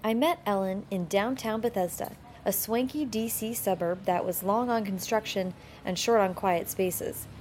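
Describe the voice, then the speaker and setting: A woman podcast host narrating a scripted introduction with a measured, upbeat delivery. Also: mid-range voice, a little mellow, slight background noise.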